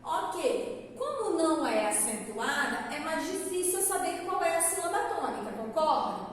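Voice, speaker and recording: A woman's voice: extremely high pitch, sing-song, unhurried. A woman teacher giving a lesson, explaining step by step, checking in with her students, and drawing out words in a sung tone. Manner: calls out words in a stretched, sung tone. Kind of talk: recorded classroom lesson. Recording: echoey hall from far off, faint background noise.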